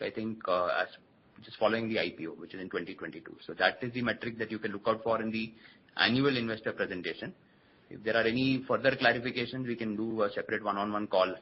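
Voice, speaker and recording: A man giving explanatory answers as a company executive on an earnings call. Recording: muffled call line with faint rumble.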